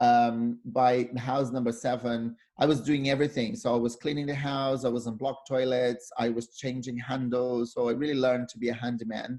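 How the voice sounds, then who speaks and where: With a Portuguese accent, a man speaks at a medium pitch and hardly pauses. His intonation is monotone and flat. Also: moderate pace. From Brazil. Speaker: entrepreneur. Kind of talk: casual talk. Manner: halting.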